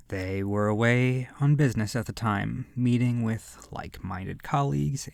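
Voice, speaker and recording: Slow, creaky, seductive vampire played by a man. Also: medium pitch, dry recording, clean studio sound. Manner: slow, hushed, lingering pauses, breathy whispering. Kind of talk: ASMR horror roleplay monologue. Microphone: close microphone.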